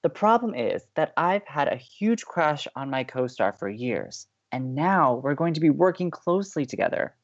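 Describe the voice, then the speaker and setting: A man's voice: fairly high pitch, very animated, moderate pace, hardly any pauses, highs cut off. A young man playing an upbeat, romantic-minded college radio co-host in an audio drama, earnest, playful and teasing. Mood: reading aloud. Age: young adult. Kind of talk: scripted audio drama banter.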